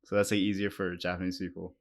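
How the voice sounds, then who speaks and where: A man's voice: low-pitched, monotone, fast. A man co-hosting a casual podcast interview, asking curious follow-up questions in an easygoing way. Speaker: podcast co-host.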